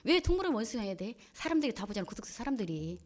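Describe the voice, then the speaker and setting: Woman pastor giving a lively testimony. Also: a little high, very fast. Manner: lively colloquial storytelling, acting out quoted voices. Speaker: pastor and head of a Christian broadcaster. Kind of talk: church testimony.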